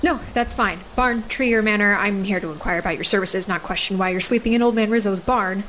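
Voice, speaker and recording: A woman's voice: mid-range voice, a little fast, a bit bright, a little hiss or hum, natural voice, rough recording. A woman playing a serious, direct and politely formal temple sister in an audio drama. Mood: polite, businesslike. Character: businesslike, earnest temple sister seeking a monster hunter.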